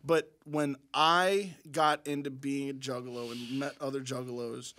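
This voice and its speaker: Bright-voiced man ranting casually. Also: mid-range voice, steady tone, unhurried. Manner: profane, ranting. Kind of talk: casual chat.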